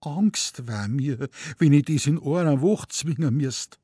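A woman's voice: low-pitched, expressive, takes it slowly, dark tone, breathy edge, dry recording, clean studio sound, voice pushed up, exaggerated voice. A man reading aloud voices a plaintive, nagging Munich wife in broad Bavarian dialect. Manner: plaintive, scolding, pleading.

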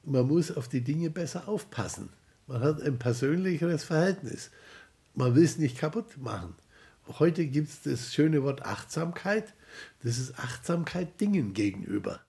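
A language researcher answers in an interview, patient and explanatory, and builds his points from examples. His voice is gravelly with a husky edge. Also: a little high, lively intonation, unhurried, dark tone. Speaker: dialect researcher.

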